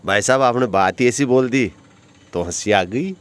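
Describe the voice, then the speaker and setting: An actor playing a humble, joking street food vendor with a Marwari accent. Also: male voice, mid-range voice, moderate pace, clear, resonant tone, no room sound, lightly acted.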